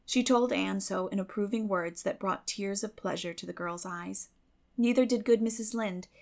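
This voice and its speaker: A woman's voice: mid-range voice, vocal fry. A woman reading scripted narration from a classic novel as an audiobook narrator.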